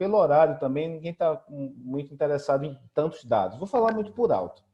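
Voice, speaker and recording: A man speaks in a Pernambuco accent at a fairly high pitch. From Pernambuco, Brazil. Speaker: public defender. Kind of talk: talk. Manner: hesitant, many fillers.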